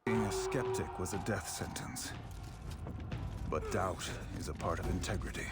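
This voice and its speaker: A man's voice: sits low, normal speed, close to an everyday voice. A man playing a sober, thoughtful medieval figure in a video game, speaking in grave, declarative lines. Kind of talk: scripted game dialogue. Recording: loud game music underneath.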